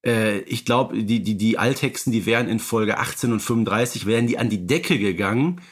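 A man's voice: on the low side, fairly quick, slightly rough. A man co-hosting a fan podcast, talking casually and rambling with many fillers and restarts. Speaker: podcast co-host.

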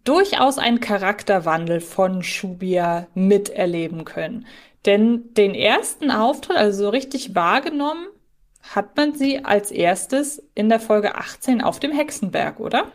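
Woman hosting a conversational podcast, medium pitch. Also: expressive, a little slow. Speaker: podcast host.

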